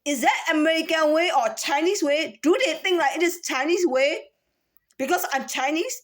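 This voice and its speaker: A woman's voice: sits high, normal speed. A woman from Myanmar in a casual, rambling monologue to camera, full of rhetorical questions and restarts. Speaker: vlogger.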